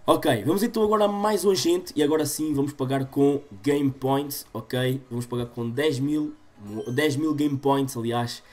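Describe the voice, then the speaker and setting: A man in his twenties with a European Portuguese accent and a slightly stuffy nose, doing excitable gaming commentary for his viewers. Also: medium pitch, normal speed. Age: 20s. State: slightly congested from a cold. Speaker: gaming YouTuber. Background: game music.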